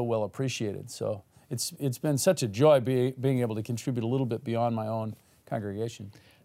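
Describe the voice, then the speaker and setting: A man with a dark, mellow tone talks at a moderate pace, his intonation fairly even. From US. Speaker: pastor. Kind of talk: interview chat.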